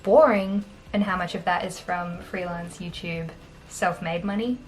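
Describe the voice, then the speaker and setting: A young Australian woman in her twenties, chatting casually on camera in a small bedroom, upbeat and quick to laugh. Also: fairly low pitch, faint music behind, poor audio. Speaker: vlogger. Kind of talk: casual talking-head finance vlog.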